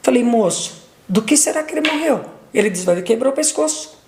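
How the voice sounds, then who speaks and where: A woman's voice: fairly high pitch, lively intonation, brisk, reverberant, noisy background. A middle-aged woman giving an emotional personal testimony, retelling what everyone said in long runs of dialogue, with restarts and fillers. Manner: retells dialogue with repeated 'aí eu peguei e falei', restarts and fillers.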